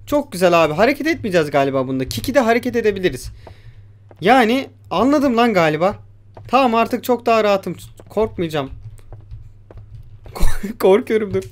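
A man's voice: high-pitched, expressive, moderate pace, long pauses. A young man giving casual let's-play commentary on a horror game, jumpy, swearing and talking back at the game's creatures. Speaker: gamer.

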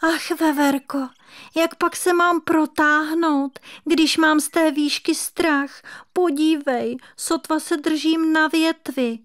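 Woman reader as a frightened little boy kitten for a kids' audiobook; high, pleading. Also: natural voice. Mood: plaintive. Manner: plaintive, pleading, whiny. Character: timid little male kitten, lost and scared. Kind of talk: children's audiobook reading.

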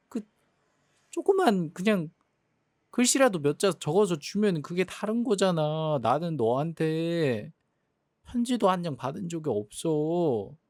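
Actor as a sulking jealous young boyfriend, slightly high voice, very dry close mic. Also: male voice, a little mellow, no echo. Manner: sulky, hurt, exasperated complaining. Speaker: jealous boyfriend in role-play. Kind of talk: boyfriend role-play drama.

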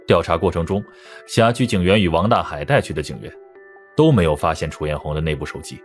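A man with a very low voice narrates a detective novel as a scripted audiobook. His delivery is dramatic storytelling, with music playing underneath. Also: expressive, quick pace.

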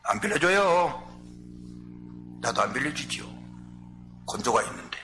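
An older man from Jeolla with a Jeolla Korean accent, preaching a sermon as pastor, swinging from shouts to low asides and often calling out to the congregation. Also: big pitch swings, moderate pace, reverberant, soft background music. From Jeolla, South Korea.

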